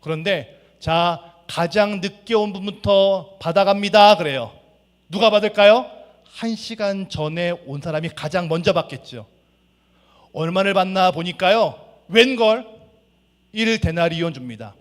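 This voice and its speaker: A man's voice: high-pitched, a little slow. A male pastor preaching a sermon, acting out characters' lines and leading his congregation in reading aloud together. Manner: acts out workers' and master's quotes, leads congregation in reading. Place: church sanctuary. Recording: church hall reverb.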